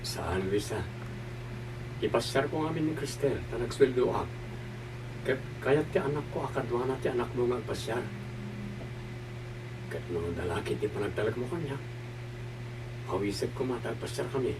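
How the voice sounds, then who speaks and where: A man's voice: mid-range voice, expressive, moderate pace, pauses often, close to an everyday voice. A man playing a kindly working father in an audio drama, speaking politely and persuasively. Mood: earnest. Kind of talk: amateur drama acting. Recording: distant mic with loud hum.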